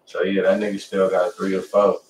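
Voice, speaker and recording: A man's voice: low-pitched, completely flat delivery, brisk, a little mellow, a little hiss or hum. A man, casually chatting as host of a music review livestream. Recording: roomy, distant mic, faint music behind.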